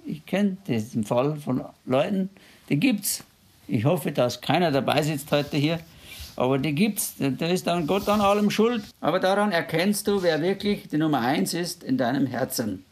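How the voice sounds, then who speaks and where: A man's voice: a little high, expressive, moderate pace, hardly any pauses. A man preaching a sermon in earnest, quoting scripture in a raised voice.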